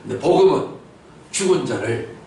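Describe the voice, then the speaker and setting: A man delivers an emphatic Sunday sermon, tossing questions to the congregation and breaking into loud outbursts. His voice sits at an ordinary pitch for a man. The recording comes from off-mic in a heavily echoing church with a faint hiss underneath. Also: lively intonation, normal speed, gravelly. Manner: rhetorical repetition and sudden loud outbursts. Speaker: pastor. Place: church sanctuary. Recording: echoey church from a distance, faint noise.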